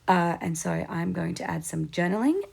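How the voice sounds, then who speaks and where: Casting: Australian woman, informal craft host, lowish voice, hoarse and husky as if it is giving out. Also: moderate pace. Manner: chatty, informal. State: hoarse, losing her voice. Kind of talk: casual process voice-over.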